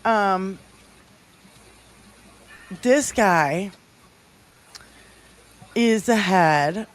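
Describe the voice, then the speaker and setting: Slow-talking sarcastic woman. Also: medium pitch, expressive. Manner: sarcastic, sweary, laughs easily. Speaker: livestream co-host. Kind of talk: casual political chat.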